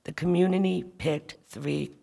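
A woman on a town council makes her case at a public meeting, firm and insistent, coming back to the same point. Her voice is gravelly and husky. It is picked up by a table mic and rings with long reverb from a large auditorium. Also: sits low, fairly even intonation, a little slow, mellow.

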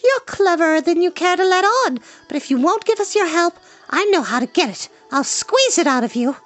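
A man voicing an indignant, urgent young girl in a scolding, insistent falsetto for a storybook reading. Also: sing-song, fairly quick, a bit bright, full character voice. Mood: fierce, threatening.

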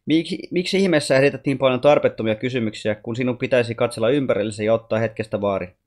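This is a calm, patient alien boy from the stars, soft-spoken and wise, as a man reads him. He explains things gently, like a teacher in a storybook, in a voice of middling pitch. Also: natural voice. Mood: gently teaching.

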